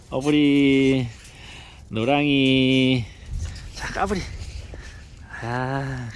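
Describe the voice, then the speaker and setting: Man calling animals in a sing-song voice. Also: slight background noise. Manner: high sing-song calling of pet names. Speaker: animal feeder, vlogger. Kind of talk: casual talk to animals while feeding.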